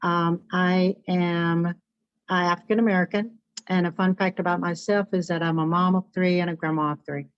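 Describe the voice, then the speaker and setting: An older woman from Texas introducing herself on a video call in an unhurried, plain way. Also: on the low side, fairly even intonation, clean tone, no room sound. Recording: muffled, dry call audio.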